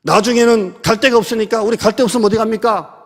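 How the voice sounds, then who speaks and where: Talking fast, a middle-aged South Korean pastor with a high voice delivers a chatty Sunday sermon, occasionally sinking into hushed near-whispers. The church sanctuary gives his voice a long, ringing reverb.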